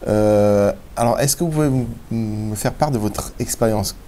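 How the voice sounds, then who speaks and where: A man's voice: lowish voice, normal speed, warm tone, a little hiss or hum. Man hosting a TV interview. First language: Slovenian. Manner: hesitant, many fillers in French. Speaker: TV host and interviewer. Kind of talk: scripted introduction then interview.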